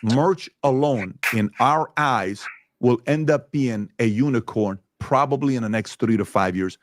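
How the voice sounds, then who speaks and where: A man's voice: medium pitch, a little slow, dry recording. A man in his forties gives an emphatic, confident business presentation. His voice sits in the middle of the range, and the recording is dry and close, with no room sound. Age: 40s. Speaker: business owner presenting results.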